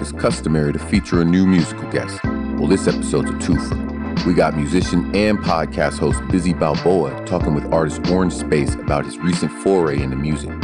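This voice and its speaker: A man hosting a podcast, narrating thoughtfully and asking short questions in a measured, musing way. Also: a bass voice. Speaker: podcast host. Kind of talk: reflective podcast narration and interviewing. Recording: music playing behind the voice.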